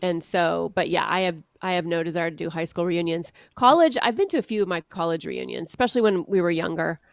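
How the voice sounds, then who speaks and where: A woman co-hosting a podcast, chatting casually in a relaxed, reflective way and asking questions. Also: fairly low pitch, quick pace, gravelly, dry recording, clean studio sound. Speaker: podcast co-host. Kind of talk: casual chat.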